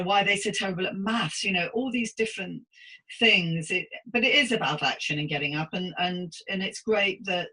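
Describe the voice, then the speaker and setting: A woman's voice: on the low side, bright, forceful tone, poor audio. A woman hosting a conversational interview podcast, chatty and affirming, rephrasing as she goes. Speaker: podcast host.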